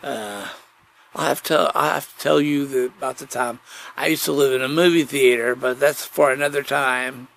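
A man's voice: medium pitch, normal speed, creaky, fairly bright tone. A man telling rambling, nostalgic stories in a folksy, meandering monologue. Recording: noisy, with ambient background sound.

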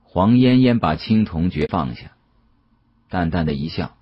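A man narrates an audiobook as a dramatic storyteller, delivering it expressively and conversationally. His voice is low and husky at a measured pace, and the audio sounds dull.

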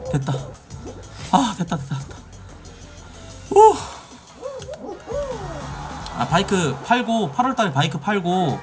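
Man, live game streamer, excitable, high voice, very lively pitch. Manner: excitable, swears and yells at the game. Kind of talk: casual live-stream gameplay commentary.

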